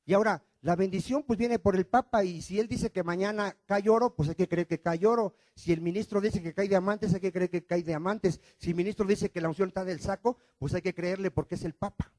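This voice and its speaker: A male pastor, preaching a sermon, firing rhetorical questions at the congregation and swinging between loud emphatic lines and quiet ones. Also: sits high, fairly quick, hardly any pauses, no room sound.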